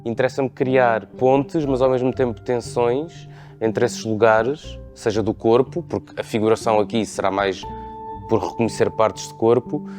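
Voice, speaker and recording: A man's voice: mid-range voice, steady tone, moderate pace, darkish tone. A man of thirty with a European Portuguese accent, describing his practice as an artist. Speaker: sculptor and painter. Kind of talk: artist talking about own work. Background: music.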